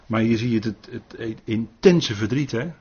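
A man's voice: medium pitch, normal speed, a little mellow, slightly rough, highs cut off. An older man leading an informal Bible study, earnest, often adding tag questions and restarting his sentences.

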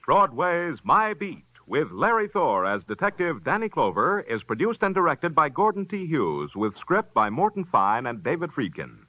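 A man's voice: fairly high pitch, big pitch swings. Formal old-time radio announcer, man. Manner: measured, formal. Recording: dull old radio broadcast.

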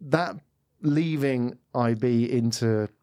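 A man's voice: mid-range voice, takes it slowly, darkish tone, dry recording. A man hosting a tech podcast interview in a studio, asking rambling conversational questions. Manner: conversational, leading questions with many fillers. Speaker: podcast host.

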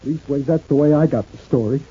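Male actor for aggrieved working-class husband, old radio serial. Very rough voice, plaintive and proud, dull vintage recording. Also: medium pitch, a little fast, mellow, close to an everyday voice. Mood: wounded.

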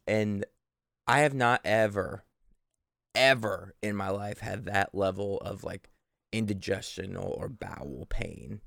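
A man's voice: on the low side, vocal fry, dry recording, studio quality. A man co-hosting a podcast, telling stories in a casual, informal, mildly profane way. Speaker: podcast co-host. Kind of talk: casual podcast chat and storytelling.

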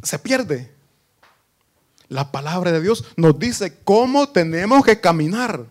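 A man preaching a sermon as pastor, rising to emphatic phrases and dropping to low asides. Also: expressive, slow pace.

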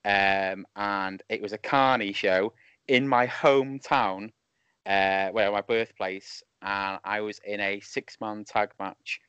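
A man in his thirties with a lisp, talking casually as a podcast guest over a remote call, self-deprecating and halting. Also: on the low side, fairly even intonation, fairly bright tone, clean tone, no room sound. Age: 30s. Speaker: podcast guest, wrestling referee. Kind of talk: casual chat. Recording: dull lo-fi call audio.

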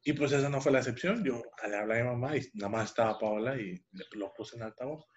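A man's voice: mid-range voice, quick pace. Young man telling a story, lo-fi. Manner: rambling, with many restarts and fillers. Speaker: podcast co-host. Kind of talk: casual storytelling. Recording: dull lo-fi sound.

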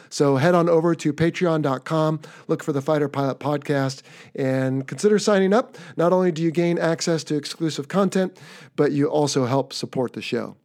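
A man's voice: on the high side, darkish tone. An American man hosting a podcast, chatting casually and upbeat as he wraps up an episode. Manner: upbeat, chatty, wrapping up the show. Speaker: podcast host.

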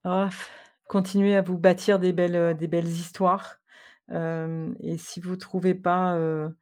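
A woman's voice: fairly low pitch, flat delivery, a little slow, darkish tone. Hesitant, affectionate woman podcast host. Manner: hesitant, affectionate, frequent fillers. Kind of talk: casual conversation.

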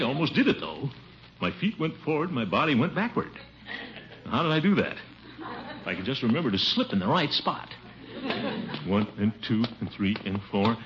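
An actor playing a pompous, boastful middle-aged bachelor in a 1950s radio sitcom, with a giggling laugh. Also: male voice, mid-range voice, close to an everyday voice. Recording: dull hissy old radio broadcast.

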